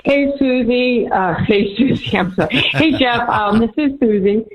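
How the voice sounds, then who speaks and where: A woman's voice: on the high side, measured pace. A woman from Boston calling a radio show on a speakerphone over the phone, sounding hesitant and flustered as she stumbles over her greeting. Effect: calling in on a speakerphone over a phone line. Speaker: caller. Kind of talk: radio call-in. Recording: muffled, faint speakerphone call with crowd noise behind.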